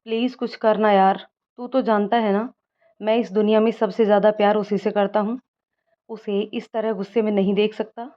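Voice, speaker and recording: A woman's voice: medium pitch, level tone, normal speed, natural voice. Exasperated young man, voiced by a woman storyteller, pleading, slightly muffled sound. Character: young man, upset lover.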